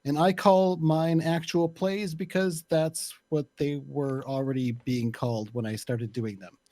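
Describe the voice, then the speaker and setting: A man explaining his opinions in a casual discussion, deliberate and often searching for the right words. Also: fairly high pitch, steady tone, mellow, no echo, studio quality. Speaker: panelist, actual play creator.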